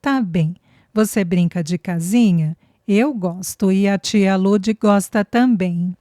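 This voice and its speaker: A woman's voice: mid-range voice, slow, dark tone, no room sound, studio quality, lightly acted. A woman doing a chatty little girl. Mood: eager. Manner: childlike, earnest and eager. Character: small lively little girl, chatty and candid.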